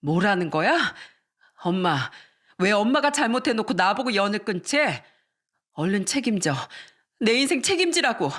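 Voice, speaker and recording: A narrator voicing a furious, shrill wife who screams blame at her own mother in a dramatized story reading. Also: big pitch swings, moderate pace, a bit bright. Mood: frantic.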